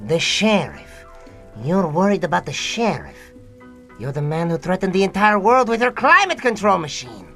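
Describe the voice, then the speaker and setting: Pompous upstart villain, a young male mad scientist; bright, tense delivery, lively swoops, indignant radio melodrama over music. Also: on the low side, normal speed. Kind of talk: comedic radio drama acting. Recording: music behind the voice.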